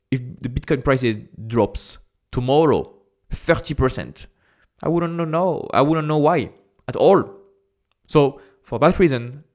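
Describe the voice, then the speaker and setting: A man from France with a strong French accent, talking casually and directly to camera as an investing YouTuber, repeating phrases and often pausing on "uh". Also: medium pitch. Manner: chatty and direct, repeats phrases, frequent "uh" fillers.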